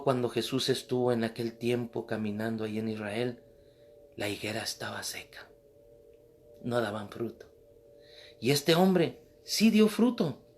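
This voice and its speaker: A man teaching a Bible class as a Catholic preacher, emphatic and repeating phrases for stress. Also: medium pitch.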